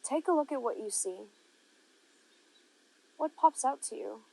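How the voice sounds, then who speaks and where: A woman narrating a guided meditation, giving gentle, unhurried instructions with long pauses between phrases. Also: high voice, lively intonation, creaky, poor audio.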